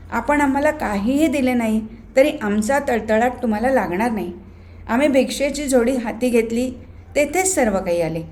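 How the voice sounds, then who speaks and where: A woman voicing a calm, wise young boy ascetic who speaks gently and steadily in a novel reading. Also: a little high, natural voice.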